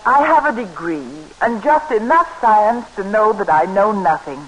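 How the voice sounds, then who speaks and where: A woman's voice: medium pitch, animated, normal speed, highs cut off, a little hiss or hum, natural voice. An actress playing a determined young American woman doctor, in 1940s radio acting style from an old radio broadcast. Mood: earnest. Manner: earnest, poised.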